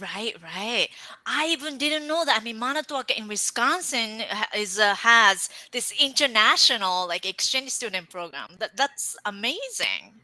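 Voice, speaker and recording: Her tone is bright and sharp, with a fairly high pitch. This woman speaks at a moderate pace with lively intonation. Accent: Japanese. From Japan. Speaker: manga artist. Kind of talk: casual interview chat. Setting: live studio show. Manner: halting.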